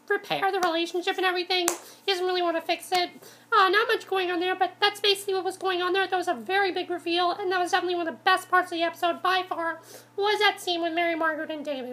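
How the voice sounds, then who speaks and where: Very high-voiced woman, stuffy with a cold. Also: sharp tone. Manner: rambling, many ums and restarts. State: congested with a cold. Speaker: TV episode reviewer. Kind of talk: casual video review.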